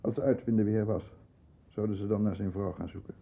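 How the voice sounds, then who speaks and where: A composed, formal lawyer in a sixties Dutch radio drama, with a low voice and very dark, soft-edged tone. He speaks measured Netherlands Dutch with deliberate care, and the sound is clean-toned and resonant. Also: steady tone, vocal fry, breathy edge. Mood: controlled, probing. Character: composed middle-class lawyer, protective older brother, narrating. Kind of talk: 1960s Dutch radio play, first-person narration and dialogue.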